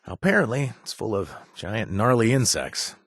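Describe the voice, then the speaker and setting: A wisecracking ex-gang ally. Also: male voice, lowish voice, big pitch swings, moderate pace, husky, no echo, studio quality, heavily acted. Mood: joking. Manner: jokey, punning, chatty with fillers. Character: male ex-gang member ally, wisecracking, punny. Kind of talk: video game voice lines.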